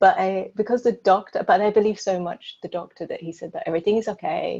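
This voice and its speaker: In a London accent, a woman talks at a very fast pace with a medium pitch. Her tone is dark and mellow, and her pitch variation is ordinary. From England, London. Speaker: mother sharing birth story. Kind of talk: personal testimony interview. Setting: home, separate room from host.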